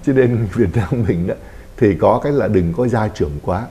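A man's voice: fairly low pitch, normal speed, mellow. A man who is a Catholic priest, explaining family life in a talk show discussion and acting out little quoted exchanges.

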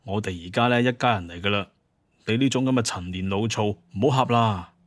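A man's voice: on the low side, a little fast, dry recording, lightly acted. A man voicing an exasperated, placating grown son, a young hunter chief, in an audio drama, with pleading exclamations.

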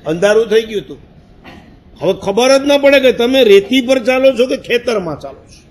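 A high-pitched man tells a story from the pulpit in lively sermon fashion. He acts out what he once said to himself, letting his voice rise and fall with the telling, and chuckles along the way. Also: moderate pace. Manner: animated storyteller, acts out his own past words, laughs. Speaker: Jain monk.

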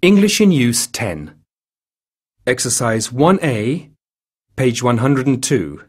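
A man calling out exercise and page numbers for a coursebook, plain and matter-of-fact. His husky voice comes at an unhurried pace. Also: medium pitch, big pitch swings, darkish tone. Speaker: announcer. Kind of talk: reading track announcements.

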